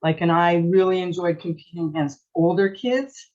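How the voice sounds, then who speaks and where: A middle-aged woman from Canada, a coach and former athlete, telling her story in a lively, chatty way with frequent laughs and restarts. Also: lowish voice, normal speed, dull audio. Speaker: guest, sport psychology coach. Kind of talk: casual interview storytelling.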